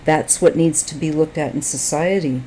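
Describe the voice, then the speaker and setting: A woman giving a tarot reading, speaking in a slow, halting, reflective way while she is losing her voice. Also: sits low, dark tone, slight background noise, low-quality recording. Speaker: tarot reader.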